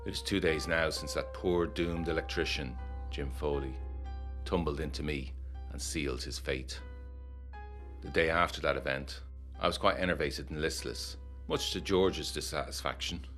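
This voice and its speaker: A man playing a troubled, educated 1920s gentleman, reading a letter to his fiancée in a gothic audio drama with formal, literary, brooding delivery. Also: extremely low pitch, moderate pace, faint music behind. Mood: haunted, brooding.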